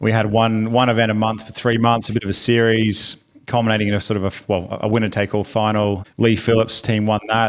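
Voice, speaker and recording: A man with an Australian accent speaks in a monotone, flat intonation at very even loudness. His pace is fairly quick, with hardly any pauses. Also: medium pitch for a man. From Australia, Brisbane. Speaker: fitness competition founder. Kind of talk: casual interview.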